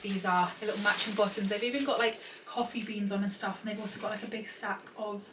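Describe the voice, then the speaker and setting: Bubbly, fast-talking young British woman. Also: mid-range voice, steady tone. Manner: bubbly, gushing, girly. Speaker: vlogger. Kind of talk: casual chatty vlog to camera. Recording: distant mic, faint background noise.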